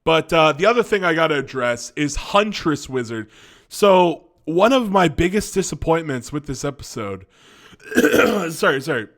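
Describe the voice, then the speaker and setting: A young man talking off the cuff about cartoons, his voice slightly stuffy from a cold. He sits a little higher in pitch than most men and keeps circling back, restarting his sentences and dropping in "um" and "like" as he goes. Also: big pitch swings, normal speed, a bit bright. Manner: rambling, many restarts and fillers. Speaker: cartoon review vlogger. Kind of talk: casual spoken review.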